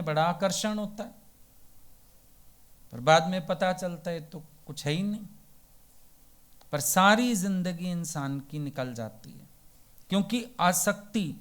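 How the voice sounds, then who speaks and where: A man giving a devotional sermon as a spiritual teacher. He tells folksy parables and keeps asking rhetorical questions. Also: sits high. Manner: folksy and plain-spoken.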